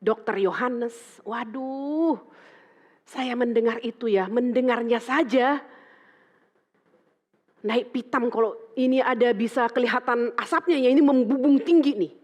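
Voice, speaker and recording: A middle-aged woman pastor from Indonesia, preaching through lively stories and acting out the dialogue in quoted voices. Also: a little high, a little slow. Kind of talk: sermon with storytelling. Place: church hall. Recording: dull sound with long church reverb.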